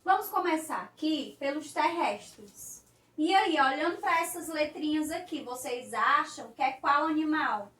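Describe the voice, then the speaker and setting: A Brazilian woman teaching a recorded class for young children, in slow, coaxing, sing-song teacher talk. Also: sits high, expressive, a bit bright, echoey room, far from the mic. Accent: Brazilian Portuguese.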